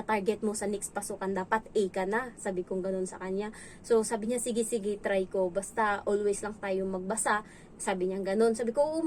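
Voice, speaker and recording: Chatty Filipina helper. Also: female voice, darkish tone, a little hiss or hum. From Philippines. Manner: chatty, acts out quoted voices in a high pitch. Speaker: domestic helper vlogger. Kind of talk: casual storytelling vlog. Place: indoors in her employer's home.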